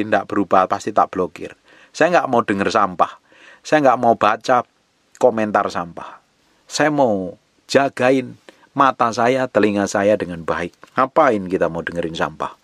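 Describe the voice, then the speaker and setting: A man's voice: unhurried, fairly bright tone, dry recording, clean studio sound. A man preaching a sermon, his voice climbing sharply when he lists harsh words. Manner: emphatic preaching, pitch swells high on lists of harsh words. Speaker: pastor.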